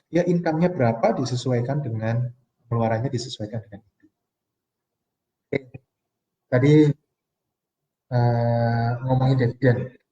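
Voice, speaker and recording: A man's voice: medium pitch, warm tone. A man in his forties giving a motivational live online seminar on money, speaking to viewers as friends and reading out their comments. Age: 40s. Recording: roomy, distant, dull-sounding audio.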